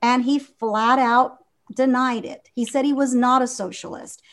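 A woman's voice: fairly high pitch, fairly even intonation, unhurried. A woman in her fifties from Venezuela, a guest in an interview, talking earnestly with many fillers and restarts. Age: 50s. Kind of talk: conversational interview.

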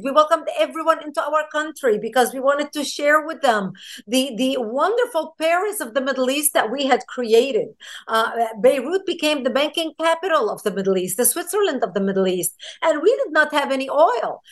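A woman from Lebanon, a radio interview guest telling her story with passion and emphasis. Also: high-pitched.

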